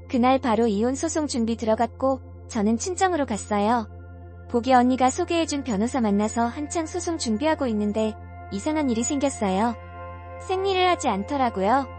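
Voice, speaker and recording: A woman narrating a first-person story for a story channel, earnest and confiding. Her voice sits a little high, and soft music plays underneath throughout. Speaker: story reader.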